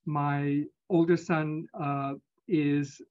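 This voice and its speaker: A man in his fifties from Singapore, a physician answering interview questions in a measured, hesitant way. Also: fairly high pitch, flat delivery, a little mellow, muffled recording. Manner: measured, hesitant, with many pauses. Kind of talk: conversational interview.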